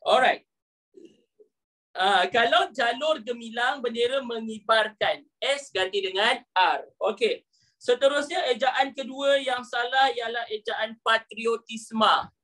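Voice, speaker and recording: A man's voice: very high-pitched, slow, pushed and bright. Chatty male teacher full of ah fillers. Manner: chatty, joking, frequent "ah" fillers. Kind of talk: live online lesson.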